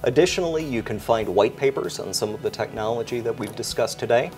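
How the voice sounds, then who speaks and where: A man in his forties gives an articulate, technical explanation as a product expert. His pitch is average for a man, and faint music plays behind him. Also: quick pace, a little mellow.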